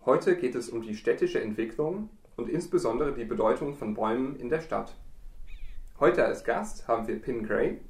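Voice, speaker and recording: A man hosts a podcast in a friendly way, asking questions and summing up what his guest says. His voice sounds echoey and a bit far from the mic, as if he were in a bare room. His pitch is in the middle range. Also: expressive, moderate pace. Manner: friendly, guiding questions, summarizing. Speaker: podcast host. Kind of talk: casual podcast interview.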